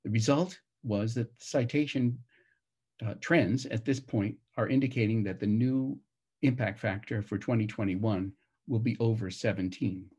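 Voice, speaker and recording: A man with a gravelly, husky voice giving a prepared conference presentation in a measured, formal, explanatory way. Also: fairly low pitch, darkish tone.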